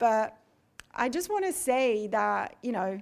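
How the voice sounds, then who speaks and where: A woman speaks with a non-native accent. Her pitch sits fairly high. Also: very clean recording, silent background. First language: not English. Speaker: construction operations manager. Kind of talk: speaking to a group about her career. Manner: hesitant, many fillers.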